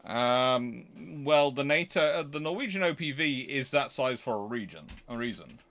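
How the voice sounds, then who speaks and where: A man's voice: mid-range voice, lively intonation, normal speed, a bit bright. Discursive man thinking aloud while answering questions. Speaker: host answering audience questions. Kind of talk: unscripted question-and-answer talk.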